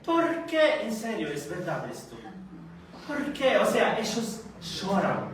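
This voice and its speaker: A man preaching a sermon, speaking slowly and haltingly with frequent hesitations and rhetorical questions. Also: sits high, sing-song, a little hiss or hum. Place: church meeting hall. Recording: echoey hall recorded from far off.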